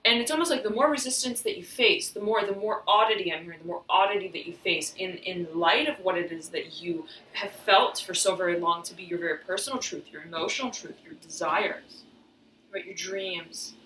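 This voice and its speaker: Female tarot reader, searching delivery with constant fillers; crisp, lifted tone; reverberant room. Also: on the low side, a bit bright, far from the mic, a little hiss or hum. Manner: halting, searching, fills with "right" and "I'm hearing". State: slightly hoarse. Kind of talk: intuitive tarot reading to camera. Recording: roomy echo, voice off-mic.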